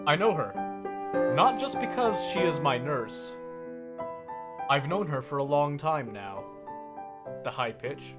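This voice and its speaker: A young man streaming a visual novel, reading the text aloud and joking about it in an animated way. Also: a little high, slow, pauses often. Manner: animated, jokey, reads game text aloud. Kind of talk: game playthrough, reading aloud and commenting. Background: faint piano game music.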